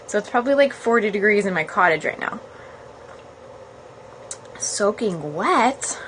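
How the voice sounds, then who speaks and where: Her medium-pitched, slightly bright voice carries lively intonation as she speaks a little slowly over a faint hiss or hum. She's a yoga blogger chatting informally on a phone livestream, reading aloud haltingly at times, from a small, cold, uninsulated cottage room.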